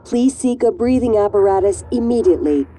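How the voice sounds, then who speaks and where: A woman voicing a calm female space station warning system in a video game, announcing with flat, measured delivery. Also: medium pitch, lightly acted. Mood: urgent.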